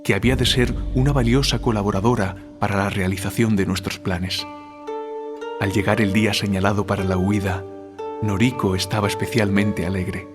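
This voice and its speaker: Male actor as a haunted writer, lowish pitch, fearful, grave literary delivery, horror audiobook, loud music underneath. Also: lightly acted. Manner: literary, measured, grave storytelling. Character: tormented male writer confessing eerie nightmares, guilt-ridden, fearful. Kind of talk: audiobook horror drama acting.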